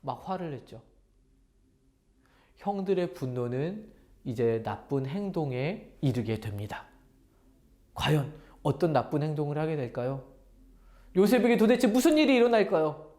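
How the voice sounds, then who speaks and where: Brief: expressive woman pastor giving a children's sermon, lots of questions. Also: sits low, normal speed, pauses often. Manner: animated, asks children questions. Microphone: lapel mic.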